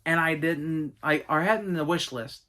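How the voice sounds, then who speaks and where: A middle-aged man hosting a casual Q&A video, telling stories with enthusiastic, animated asides. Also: a little high, fairly quick. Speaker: gaming and wrestling channel host. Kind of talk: casual Q&A monologue.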